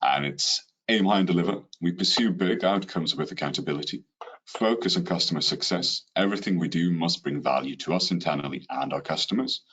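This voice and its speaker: A man's voice: low voice, a little fast, slightly rough. A man with a Swedish accent from Sweden gives a rehearsed business webinar presentation over a call, dropping in the odd "you know". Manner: steady, rehearsed delivery with occasional "you know" fillers. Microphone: computer mic on a video call.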